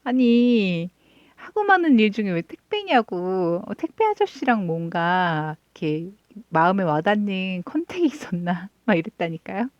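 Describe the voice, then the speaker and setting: A woman hosting a knitting channel, chatting casually and rambling through stories in a soft, low-key voice as she knits. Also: big pitch swings, measured pace, no echo, dull audio. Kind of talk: casual chat while knitting.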